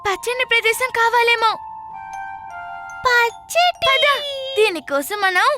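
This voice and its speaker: A performer voicing an excitable, curious small child in a children's cartoon, with drawn-out exclamations. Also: very high voice, music in the background. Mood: puzzled, earnest. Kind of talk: animated children's cartoon dialogue.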